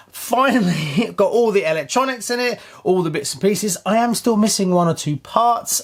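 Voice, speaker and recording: Speech in a British accent moves along at a fairly quick pace. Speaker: RC hobby youtuber. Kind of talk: casual vlog.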